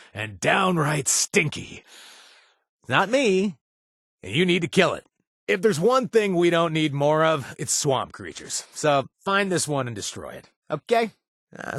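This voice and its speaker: A man's voice: medium pitch, fairly bright tone, slightly rough, no room sound, clean studio sound, heavily acted. An actor playing a chatty, jittery man handing out jobs in a video game, rambling with joking asides and squeamish about bugs. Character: jittery, wisecracking male wasteland quest-giver, squeamish. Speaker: companion character in a video game. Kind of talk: studio game voice acting.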